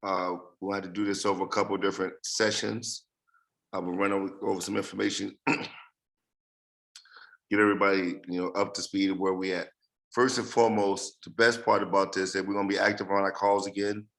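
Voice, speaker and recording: A man's voice: low voice, flat delivery, a little fast, vocal fry, a bit bright. A man losing his voice, giving a rambling casual update to a team on a group call. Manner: rambling, repeats phrases. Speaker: project leader giving updates.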